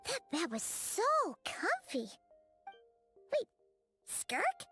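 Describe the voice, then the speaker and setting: A woman's voice: very high-pitched, huge pitch swings, extremely slow, fairly bright tone, soft background music, full character voice. A woman voicing a small, cheerful, childlike fairy companion in an anime game, with exclamatory delivery. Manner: speaks of self in third person, exclamatory.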